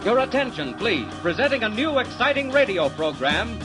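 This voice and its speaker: Man, vintage radio announcer over loudspeakers, high lively booming delivery, music bed behind, distant old recording. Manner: booming, drawn-out showman announcing. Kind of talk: vintage radio program introduction.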